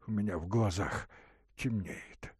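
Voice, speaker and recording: A man reading aloud and voicing a feverish young man who speaks in a weak, breathless, halting way. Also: fairly low pitch, darkish tone, breathy edge, no echo, studio quality.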